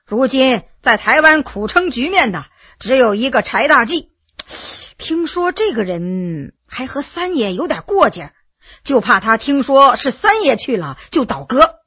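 Plainspoken middle-aged general, loyal and easygoing, a woman playing him in a lively storybook reading with a breathy tone. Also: sits high, measured pace, no echo, lo-fi sound, exaggerated voice. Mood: analytical. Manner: plainspoken, colloquial.

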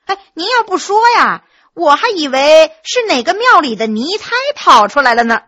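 Lady doing a sassy young butcher's girl, bright and high, teasing all the way. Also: very animated, normal speed, heavily acted. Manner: teasing, mocking. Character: lively sharp-tongued young butcher's daughter.

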